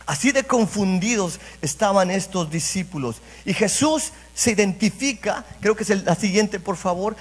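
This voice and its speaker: A man's voice: high voice, expressive, moderate pace, hardly any pauses, breathy edge. A man preaching a sermon as pastor, repeating phrases and speaking straight to the congregation. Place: church sanctuary. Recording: reverberant church hall.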